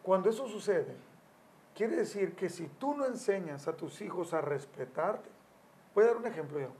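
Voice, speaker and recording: A man's voice: high voice, animated, normal speed, a little mellow, a little hiss or hum. A man in his sixties, a family counselor, giving Christian teaching on parenting in a storytelling way. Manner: storytelling, acts out quotes with raised voice.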